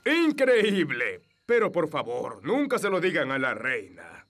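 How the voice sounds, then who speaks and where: A big hesitant fairy king from a children's cartoon. He talks slowly in Latin American Spanish, with a bright, forceful edge and huge swings of pitch. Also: huge pitch swings, soft background music, heavily acted. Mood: nervous.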